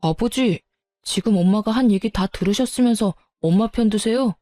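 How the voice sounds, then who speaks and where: An agitated young husband, as a woman puts him on, protesting hotly on his wife's behalf. The tone is dark and mellow, close and dry, with faint music under it. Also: medium pitch, moderate pace, dry recording, lightly acted. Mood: heated. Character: heated young husband defending his wife.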